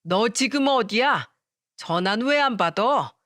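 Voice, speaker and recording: A shrill, accusing mother-in-law of later years barks her suspicions in a raised, sharper voice, as a woman reader puts her on. The sound is close and dry, with no room around it. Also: moderate pace, a bit bright, no echo, lightly acted. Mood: scolding. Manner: scolding, accusing.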